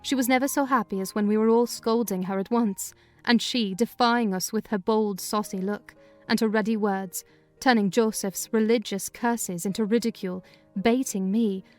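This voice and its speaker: A woman narrating a dramatized audiobook reading in a measured storytelling manner. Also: medium pitch, darkish tone.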